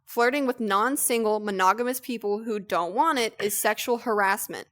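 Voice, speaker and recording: A young woman co-hosting a casual stream, reading posts aloud and telling stories with lively, profane energy. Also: a little high, moderate pace. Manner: animated storytelling, swears freely. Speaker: streamer, co-host.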